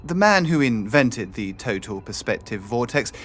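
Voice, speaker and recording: A man reading scripted documentary narration in a measured, deliberate storytelling manner. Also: medium pitch, very animated, a bit bright. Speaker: narrator, voice-over artist. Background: music bed.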